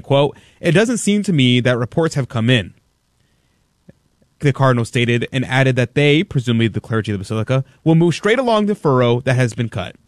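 Male talk radio host, mid pitch, dry studio sound, emphatic and indignant. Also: no room sound. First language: English. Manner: emphatic, indignant, rhetorical questions. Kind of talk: opinionated talk radio commentary.

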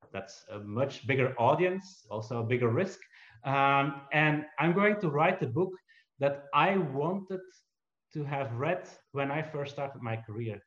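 An interview guest who writes books and runs businesses, this Belgian man with Dutch heritage talks haltingly in a mid-range voice. He keeps starting over and jokes at his own expense, and the room sounds echoey and a bit dull.

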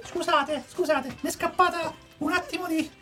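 Man doing a very high-pitched, flustered lady studio boss. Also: fairly even intonation, moderate pace, music in the background. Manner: rambling, gossipy, swearing. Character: flustered, foul-mouthed female film studio boss. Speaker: guest in a comic film quiz. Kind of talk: comic improvised impression.

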